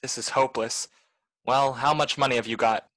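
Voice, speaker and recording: A man's voice: mid-range voice, fairly even intonation, normal speed, fairly bright tone, no room sound, natural voice. A man playing a wry, cynical private detective in a 1940s-style radio noir, talking in clipped slang. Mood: cool, sardonic.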